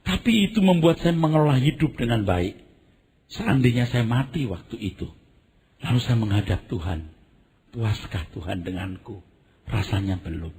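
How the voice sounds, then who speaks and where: Man preaching with an animated, wide-ranging delivery and vivid storytelling, heard in a reverberant hall. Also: medium pitch, normal speed. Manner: animated storytelling, acts out screams and sounds; addresses the congregation as "saudara". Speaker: pastor. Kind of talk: sermon.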